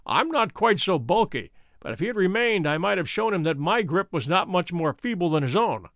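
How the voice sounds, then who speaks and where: A man voicing a calm, imperturbable detective who speaks with dry wit. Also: high-pitched, brisk, dry recording, full character voice. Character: cool, witty adult male detective, calm and bland.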